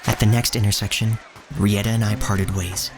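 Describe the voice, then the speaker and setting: A man playing a solemn narrator who tells of a poor street childhood in measured, scripted audio drama storytelling. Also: fairly low pitch, little pitch movement, lightly acted. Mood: somber, measured. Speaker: first-person narrator. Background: music.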